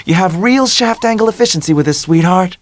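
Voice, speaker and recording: A man's voice: sits high, expressive, fairly quick, voice pushed up. A man voicing an ebullient, quirky young blonde woman who talks in a bubbly, confident way. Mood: breezy.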